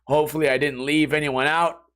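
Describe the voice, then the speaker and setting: Hoarse, sick young man, slangy host. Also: on the high side, level tone, a little fast, a bit bright. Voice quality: hoarse, rough voice. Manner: slangy and profane, drifting between topics. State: sick, voice partly lost. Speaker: podcast host. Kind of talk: casual rambling monologue.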